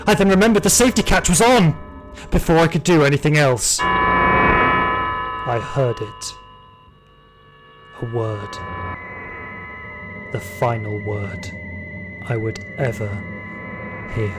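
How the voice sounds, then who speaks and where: A man's voice: mid-range voice, takes it slowly, long pauses, natural voice. A man playing a terrified, wounded security guard, narrating his ordeal in intense first-person audio drama style. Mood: desperate, then dread. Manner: intense, anguished, theatrical. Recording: loud music behind the voice.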